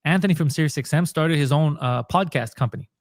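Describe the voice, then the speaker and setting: This is a comedian and podcaster from Montreal speaking fast in a slightly high voice. Casually interviewed, he tells his story and acts out the dialogue he quotes, and the studio-quality audio carries no room sound.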